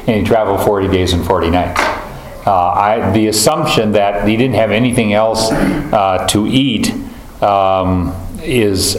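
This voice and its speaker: A man leading a group Bible study, talking in a halting, thoughtful way with many fillers and restarts. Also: lowish voice. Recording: roomy echo, faint ambience.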